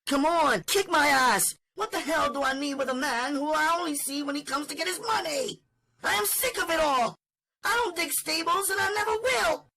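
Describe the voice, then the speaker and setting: Guy putting on a high shrill new england girl, fiery and defiant, yells fast. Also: very noisy. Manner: shouting, high-strung, rapid and shrill. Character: fiery young woman, sharp-tongued and defiant. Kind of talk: audiobook character voice.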